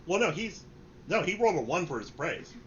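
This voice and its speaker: A man working as game master, narrating and chatting informally in a halting, improvised way. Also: on the high side, big pitch swings, a crowd in the background. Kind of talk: improvised tabletop game narration and casual chat. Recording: muffled room recording with clear noise.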